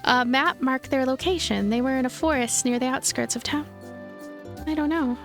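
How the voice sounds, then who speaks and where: High-voiced woman narrating a visual novel. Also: brisk, fairly bright tone. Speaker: let's player and narrator. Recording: voice over game music. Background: music.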